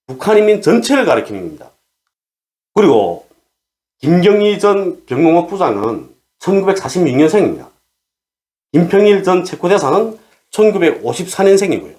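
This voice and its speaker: Lively high-pitched man arguing his point. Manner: argumentative, asks rhetorical questions. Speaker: commentator on North Korea. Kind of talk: solo commentary to camera.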